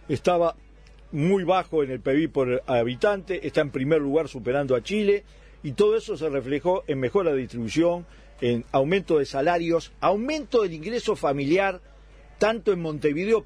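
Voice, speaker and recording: A man's voice: fairly high pitch, darkish tone, breathy edge. A man in his sixties, born in Italy, arguing his side as a guest in a political radio debate. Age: 60s.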